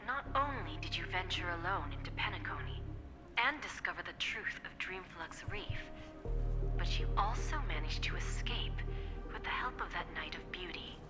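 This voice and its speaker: A low-voiced, elegant woman of power, played by an actress in a video game. She speaks in a silky, measured way, teasing and quietly menacing, over prominent music. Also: lively intonation, lightly acted. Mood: coolly impressed. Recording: game dialogue with music underneath.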